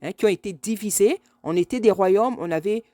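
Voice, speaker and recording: A woman's voice: medium pitch, brisk, dark tone, dry recording, clean studio sound. A woman from France giving an earnest, unscripted spoken address, hesitant and often repeating phrases for emphasis. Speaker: speaker addressing a video message to a politician.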